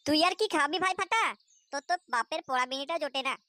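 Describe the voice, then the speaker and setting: High-voiced, fast cartoon boy sidekick. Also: lively intonation, bright, forceful tone, no echo. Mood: eager, teasing. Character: wary, easily tempted young boy, sidekick in comedy cartoon. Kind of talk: comic cartoon dialogue.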